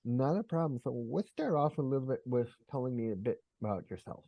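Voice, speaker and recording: A man's voice: medium pitch, expressive, fairly quick, vocal fry, no room sound, lo-fi sound. A man hosting a podcast, giving friendly, upbeat welcomes and asking his guest questions. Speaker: podcast host.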